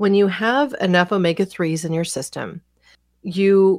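A woman with a plain, everyday voice speaks at medium pitch and a moderate pace. The recording is very clean, with a silent background. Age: 40s. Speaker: nutrition educator and supplement company representative. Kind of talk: interview on health radio show.

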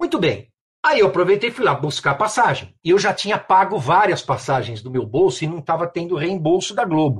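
At a fairly quick pace, a man talks with a high pitch, an animated tone, and lively intonation. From São Paulo, Brazil (Zona Norte). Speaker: actor and voice-over artist. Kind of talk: casual interview chat. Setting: online call.

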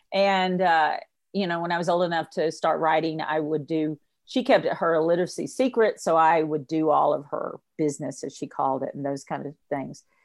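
A woman speaks in a Mississippi accent at a fairly low pitch. Her pace is moderate, with ordinary pitch variation. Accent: Mississippi Southern. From US South, Neshoba County, Mississippi. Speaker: newspaper editor. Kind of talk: interview.

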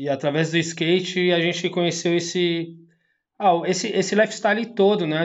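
A man speaks at a high pitch and a fairly slow pace. His intonation stays fairly even. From São Paulo, Zona Norte. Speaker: streetwear brand entrepreneur. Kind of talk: interview.

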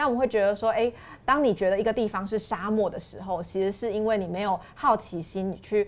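Here is a woman at a medium pitch with ordinary pitch variation. She has a normal speaking voice. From Taiwan, Kaohsiung. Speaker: co-founder of a local culture studio and magazine editor. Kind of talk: interview.

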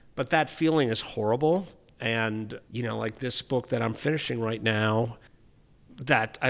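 Using vocal fry, a man with an American accent speaks at a medium pitch. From New York. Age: 50s. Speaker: author and food writer. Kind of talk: casual chat.

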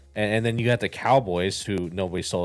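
A man's unremarkable speaking voice at a fairly quick pace, ordinary pitch variation, on a very clean recording with a silent background. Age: 40s. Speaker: sports podcast co-host and youth soccer coach. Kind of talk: casual sports talk.

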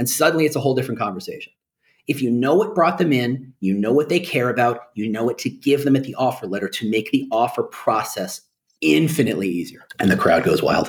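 Somewhat breathy, a man at medium pitch speaks very fast with very wide pitch swings. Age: 50s. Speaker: author of a business book. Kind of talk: podcast interview. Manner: animated.

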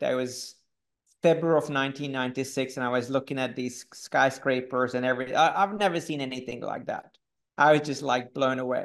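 Against a quiet background, a man with a Hungarian accent talks at a moderate pace and medium pitch with fairly even intonation. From Hungary. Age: 50s. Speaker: venture capitalist. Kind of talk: interview.

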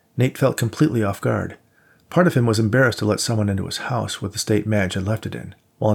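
The speaker is reading aloud in a natural voice. The words are read out plainly.

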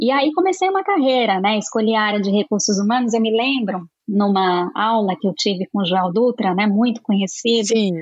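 Keeping very even loudness and hardly any pauses, a woman speaks at a moderate pace in a fairly high voice with ordinary pitch variation. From Brazil, Minas Gerais (Triângulo Mineiro). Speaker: HR executive and mentor. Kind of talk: interview.

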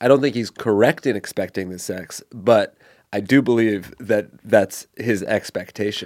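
The pitch varies in an ordinary way. It is an ordinary speaking voice, recorded very cleanly over a silent background. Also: man. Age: 30s. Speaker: comedy advice podcast co-host. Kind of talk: casual comedic chat.

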